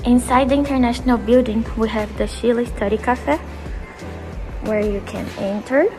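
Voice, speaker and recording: A high-voiced young woman walks through a campus and chats as she points out each building. Her vlog narration is relaxed and casual, with bright music playing underneath. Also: moderate pace. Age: young adult. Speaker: student vlogger giving a campus tour. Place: outdoors and indoors on a university campus. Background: background music.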